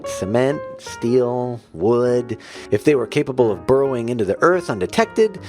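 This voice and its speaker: A goofy laid-back cartoon digger. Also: male voice, mid-range voice. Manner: rambling, hesitant, full of fillers. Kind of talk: cartoon voice acting.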